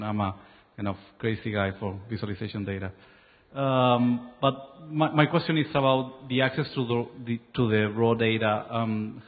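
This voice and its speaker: A man from New Zealand asking a friendly, direct question from the audience in a conference hall. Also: mid-range voice. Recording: tinny, reverberant hall audio.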